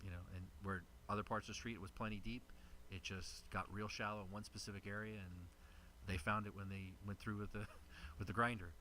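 A man, a city official, explaining in a halting, unscripted way at a public meeting. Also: lowish voice, fairly even intonation, pushed and bright, slight background noise, low-quality recording. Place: city council chamber.

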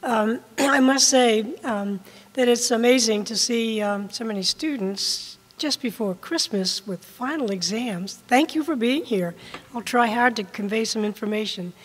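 An older woman giving a public science lecture at a podium, slightly hoarse from a cold, measured with occasional ums. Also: fairly high pitch. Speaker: guest lecturer. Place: large lecture room with audience. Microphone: podium mic. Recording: long hall reverb.

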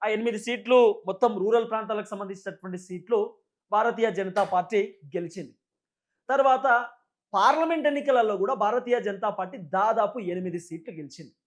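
Very high-pitched, fast-talking Telangana Telugu man. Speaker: political commentator. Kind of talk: unscripted political news commentary.

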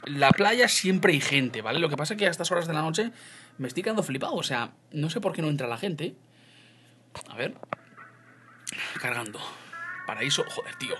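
A young man from Spain with a Spanish accent, giving casual gameplay commentary, swinging between loud outbursts and low muttering. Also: expressive, moderate pace, long pauses, noisy background. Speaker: gaming youtuber.

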